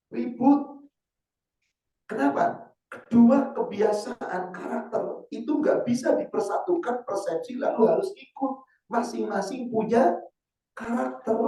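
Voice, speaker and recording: A man, an Islamic teacher, giving a casual sermon to a women's study group, quizzing the audience with rhetorical questions and reciting verses slowly. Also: fairly high pitch, warm tone. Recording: roomy hall, mic far off.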